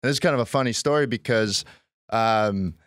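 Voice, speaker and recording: Low, clear young American man. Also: normal speed, a bit bright, dry recording, clean studio sound. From born in Estonia, raised in the US Pacific Northwest from age six. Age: 20s. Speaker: podcast guest. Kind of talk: casual conversational storytelling. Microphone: close podcast microphone.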